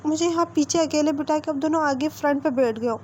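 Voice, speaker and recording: This is a timid, whiny young man, put on by a woman storyteller. He stammers and pleads, his voice lifted higher than her usual one. The tone stays mellow over a faint hiss. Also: a little fast, lo-fi sound, natural voice. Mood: scared, sulky.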